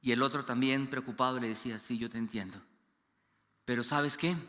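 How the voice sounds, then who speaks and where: A man preaching a sermon as pastor, animated, acting out quoted voices and dropping low and quiet for serious stories. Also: a little fast. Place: church hall. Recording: long church reverb.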